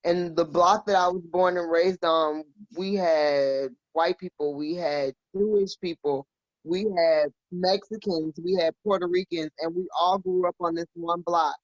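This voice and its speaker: A woman's voice: lowish voice, steady tone, unhurried, dry recording. A woman in her forties from Milwaukee, a podcast guest telling personal stories in a frank, salty, laughing way. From Milwaukee, Wisconsin. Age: 40s. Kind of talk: casual chat, personal storytelling. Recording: dull lo-fi dry sound.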